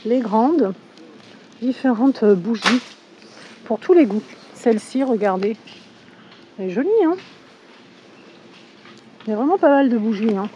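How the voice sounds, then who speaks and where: Hoarse woman vlogging from a supermarket. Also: fairly high pitch, lively intonation, unhurried, pauses often, warm tone, dull audio, a little hiss or hum. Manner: chatty, with frequent fillers. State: hoarse from a cold. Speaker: shopping vlogger. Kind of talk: casual store walkthrough. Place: inside a supermarket.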